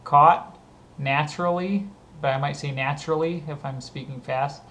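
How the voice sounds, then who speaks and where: A man's voice: a little high, fairly even intonation, normal speed, sharp tone. A man with a Southern California accent and a scratchy voice. He reads a list of words aloud and casually explains how he uses each one. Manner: reads each word, then explains usage conversationally.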